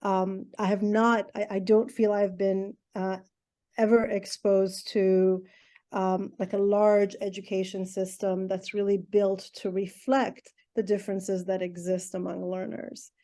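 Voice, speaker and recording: A middle-aged woman from Iran talks through her answers in an interview. Her voice is mellow, and she pauses often with ums and restarts her sentences as she thinks. She speaks at a medium pitch. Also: little pitch movement. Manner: thoughtful, many ums and restarts. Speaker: guest, educational therapist.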